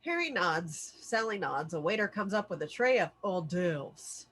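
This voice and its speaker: Reading the stage directions at a screenplay table read, a woman narrates scene headings and action lines. Her voice is lowish and a bit bright, with lively intonation and a moderate pace.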